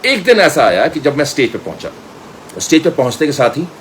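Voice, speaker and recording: A middle-aged man with an Indian accent gives an informal lecture, telling personal anecdotes in an animated way and mixing in English phrases. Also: a little high, a little fast, slight background noise. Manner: animated storyteller, acts out dialogue, mixes in English phrases. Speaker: media school director and voice trainer.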